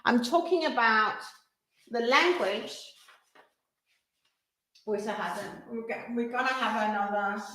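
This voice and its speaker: Slow-speaking woman. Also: on the high side, sharp tone, poor audio. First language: Danish. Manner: earnest, repeats and restarts phrases. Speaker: business coach. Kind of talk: live workshop talk.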